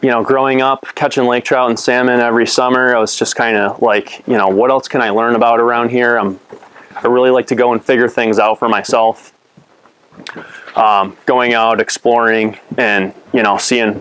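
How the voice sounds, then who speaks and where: With a dry sound and no echo, a man speaks in a monotone, flat intonation at a very even loudness. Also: moderate pace. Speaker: presenter. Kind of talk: lecture. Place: hall.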